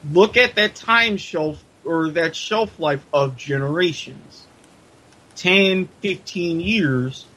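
A man's voice: on the high side, sharp tone, husky, rough recording. A man co-hosting a podcast in casual chat, opinionated and joking. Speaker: podcast co-host.

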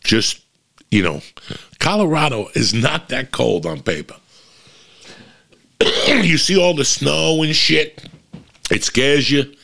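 Gravelly, foul-mouthed comic. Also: male voice, mid-range voice, lively intonation, slow, long pauses, pushed and bright. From New Jersey. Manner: profane, blunt storytelling. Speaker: comedian. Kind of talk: casual rambling monologue.

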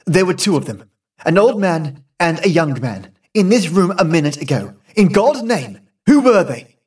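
A male narrator voicing an excited young man recounting a murder he saw. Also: on the high side, moderate pace, distant mic, lightly acted. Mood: agitated. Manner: excited, urgent storytelling. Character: agitated young husband, shaken witness.

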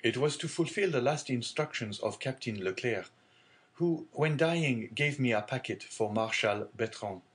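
Earnest young ship's mate voiced by a man, polite, animated. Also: medium pitch, measured pace.

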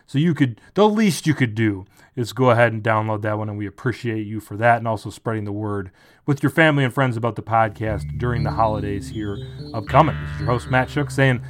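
A man's voice: on the low side, a little fast. A man hosting a sports podcast, talking casually and sarcastically with lots of fillers and restarts. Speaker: podcast host.

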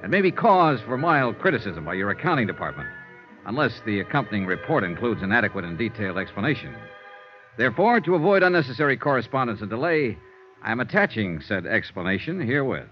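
A man's voice: on the low side, very animated, quick pace, soft background music. An actor playing a tough, wry male insurance investigator in a 1950s radio drama, narrating and talking in a dry, matter-of-fact way. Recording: dull old radio broadcast with faint hiss.

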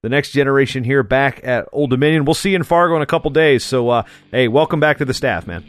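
A man's voice: mid-range voice, fast, dry recording. A man hosting a wrestling podcast, asking chatty, conversational questions. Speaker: podcast host. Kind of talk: podcast interview.

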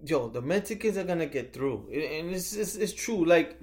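A high-pitched man with a lively voice talks casually as a podcast co-host, laughing a lot and cursing freely. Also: normal speed. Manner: laughs often, profane interjections. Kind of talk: casual profane chat.

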